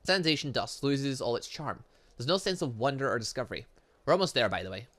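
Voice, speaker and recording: A man's voice: mid-range voice, expressive, brisk, a bit bright, close to an everyday voice. Man reading as a prim, earnest young heiress. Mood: composed. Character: refined, prim young heiress, earnest about her passion. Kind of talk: reading visual novel dialogue aloud.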